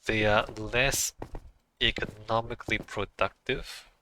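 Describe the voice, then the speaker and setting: A man with a lowish but bright, forceful voice talks casually to his livestream viewers. English is not his first language, and he thinks aloud in an easy, musing way, breaking into small laughs. A faint hiss sits under his voice. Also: fairly even intonation, a little slow, poor audio. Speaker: livestreamer playing a game.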